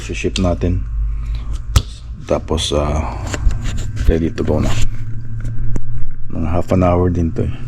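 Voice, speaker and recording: A man with a Filipino accent chats casually for a vlog in an informal, halting way, as if thinking aloud. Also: low-pitched, noisy background. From Philippines. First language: Tagalog. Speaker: vlogger, field service technician.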